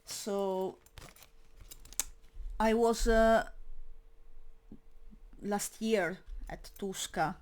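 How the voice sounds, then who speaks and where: A woman's voice: medium pitch, steady tone, drawn-out words, pauses often, darkish tone. A young woman speaking English as a second language in a casual monologue, hesitant and full of fillers and restarts. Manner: non-native English speaker. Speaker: metal media creator.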